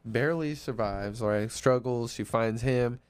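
A man's voice: medium pitch, measured pace, smooth. A man co-hosting a casual podcast, eagerly retelling a story with many fillers. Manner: excited retelling, filler-heavy. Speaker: podcast co-host. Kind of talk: casual chat.

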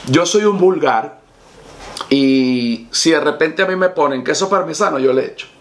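A man hosting a podcast in casual chat, telling stories in a joking, lively way. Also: a little high, normal speed. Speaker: podcast host.

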